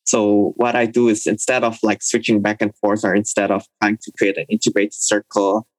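Young man from Indonesia, interview guest, lowish voice, dry close sound, measured and reflective. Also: little pitch movement, no room sound, rough recording. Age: young adult. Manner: thoughtful, measured, with fillers. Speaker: interviewee, university student. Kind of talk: recorded interview.

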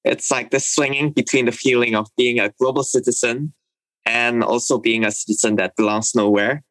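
A young man from Indonesia, speaking thoughtfully in a recorded interview and pausing with fillers as he reflects. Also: mid-range voice, fairly even intonation, fairly bright tone, no room sound, rough recording. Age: young adult. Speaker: interviewee, university student.

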